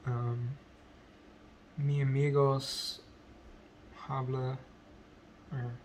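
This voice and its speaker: Hesitant man, very slow and flat. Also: mid-range voice, slight background noise, rough recording. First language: English. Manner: hesitant, many ums and self-corrections. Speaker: language learner vlogger. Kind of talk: halting unscripted speech practice.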